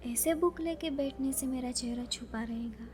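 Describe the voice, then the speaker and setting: Female actor as shy smitten bookworm, young woman, high voice, earnest polite delivery, ASMR romance drama, faint noisy backdrop. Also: moderate pace, darkish tone, close to an everyday voice. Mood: secretly delighted. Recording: audible background noise.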